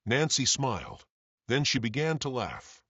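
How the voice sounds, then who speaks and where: A man's voice: medium pitch, big pitch swings, unhurried, a bit bright, slightly rough, no echo, lo-fi sound. A man narrating a children's story from a script as storyteller.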